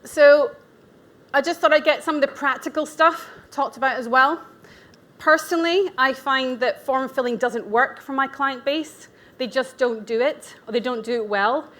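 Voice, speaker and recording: A Scottish woman in her forties presents to a room of practitioners in a relaxed, candid way. Her voice sits a little higher than most women's. She drops in asides and pokes fun at herself. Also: normal speed. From Scotland. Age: 40s. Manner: chatty and candid, with asides and self-deprecating humour. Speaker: nutrition practitioner giving a conference talk. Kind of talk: conference presentation. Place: event venue.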